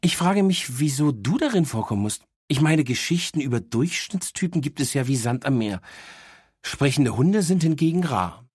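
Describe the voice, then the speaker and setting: A man's voice: mid-range voice, animated, normal speed, a little mellow, breathy edge, no room sound, studio quality, voice pushed up. Man voicing sassy know-it-all female dog. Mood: smug. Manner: cheeky, know-it-all, sarcastic. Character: opinionated young female talking dog. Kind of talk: audiobook character voice.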